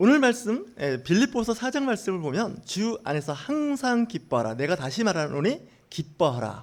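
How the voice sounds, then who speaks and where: Over a silent background on a very clean recording, a man talks at a high pitch with very wide pitch swings and hardly any pauses. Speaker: pastor. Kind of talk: sermon. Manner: fast.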